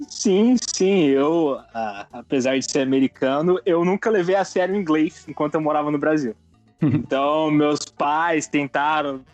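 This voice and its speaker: A man's voice: fairly high pitch, normal speed, darkish tone, no echo. A man chats casually. His talk is slangy and informal, recorded dry, with light music behind. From United States and Brazil. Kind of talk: casual chat.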